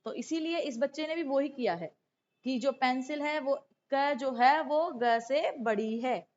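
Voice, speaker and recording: A woman teacher speaks in a fairly high voice that is hoarse from a sore throat. She explains exam questions step by step in an instructive manner, dropping in English terms. The recording sounds somewhat dull and lo-fi. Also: measured pace, darkish tone, slight background noise. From India. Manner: instructive, checks in with "okay", mixes in English terms. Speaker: teacher of exam-prep psychology classes. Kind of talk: explanatory exam lesson, going through questions.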